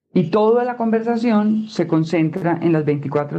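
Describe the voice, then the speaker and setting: The woman speaks at a fairly slow pace. Her pitch variation is ordinary. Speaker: psychologist and health services director. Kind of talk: interview.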